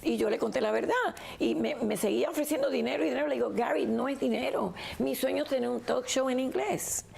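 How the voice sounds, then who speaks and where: A woman's voice: sits high, fast, creaky, few pauses. A middle-aged woman from the United States, talking casually in an interview and mixing in English phrases. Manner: animated storyteller, switches between Spanish and English.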